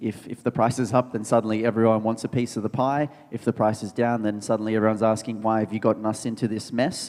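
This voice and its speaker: In an Australian accent, a man speaks very fast at medium pitch with monotone, flat intonation. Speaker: panel moderator. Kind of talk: conference panel moderation. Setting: stage with audience.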